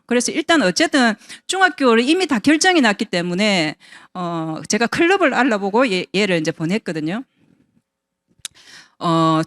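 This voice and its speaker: With a fairly high, fairly bright voice, a woman in her fifties tells her personal story as an invited business seminar speaker, chatting naturally and throwing rhetorical questions at the audience. The sound is clean studio quality with no room sound.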